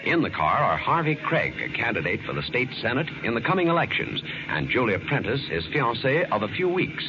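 A man's voice: mid-range voice, big pitch swings. Emphatic old-time radio announcer man, music behind. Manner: emphatic, measured, theatrical. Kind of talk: 1940s radio announcing, scripted narration. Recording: muffled 1940s radio broadcast.

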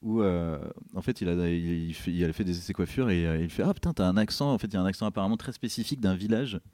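A low-pitched, quick-paced man from Brittany, a film director, chats as a podcast guest. He tells anecdotes with animation, taking on the voices of the people he quotes during this casual interview. No room sound is audible.

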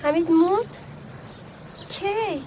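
A woman's voice: very high-pitched, a little mellow. An actress playing a grieving woman in film dialogue, cold and sharply scolding. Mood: sad. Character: grieving woman, fed up and furious. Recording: film audio with clear outdoor noise.

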